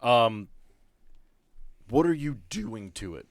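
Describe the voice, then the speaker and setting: A man's voice: mid-range voice, animated, slow, no room sound. Casual man running a tabletop game. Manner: casual, swearing, talking players through the scene. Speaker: game master. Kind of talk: improvised narration of a tabletop game.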